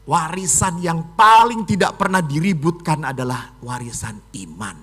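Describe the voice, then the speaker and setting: A middle-aged man, a Catholic priest, giving a lively homily, dramatic and joking, dropping from loud exclamations to hushed whispers. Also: fairly high pitch, unhurried, breathy edge.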